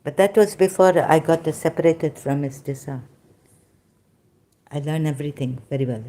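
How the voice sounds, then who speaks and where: A woman with a Pakistani accent and Sindhi as her first language, giving an informal religious talk in halting, broken English with many restarts, tired and soft-spoken as she goes on. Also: low-pitched, fairly even intonation. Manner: tired, winded and soft-spoken in later part. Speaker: religious commentator.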